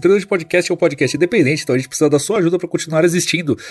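A man talks at a very fast pace with a Brazilian accent. His pitch is high, with ordinary variation. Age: 20s. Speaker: podcast host. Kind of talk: casual chat.

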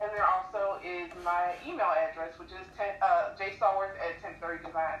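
Over noticeable background noise, a woman at a medium pitch talks at a moderate pace with fairly even intonation. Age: 40s. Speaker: graphic designer. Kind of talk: casual interview.

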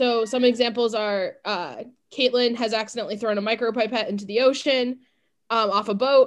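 Fairly even intonation and a fairly quick pace mark a normal speaking voice. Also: woman, fairly high pitch for a woman. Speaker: podcast host. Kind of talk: casual interview chat.

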